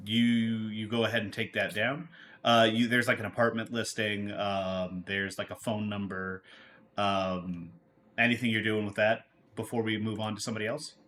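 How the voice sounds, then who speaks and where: A man speaking casually as a game master, narrating in a halting, rambling, informal way. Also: fairly low pitch, flat delivery, a bit bright.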